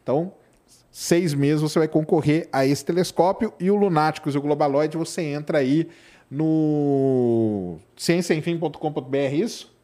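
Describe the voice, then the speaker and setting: A Brazilian man with a fairly high voice hosts a live podcast. He speaks casually and with plenty of slang. He often ends phrases with short questions seeking agreement. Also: normal speed, dark tone. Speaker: podcast host. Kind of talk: casual live-show chat.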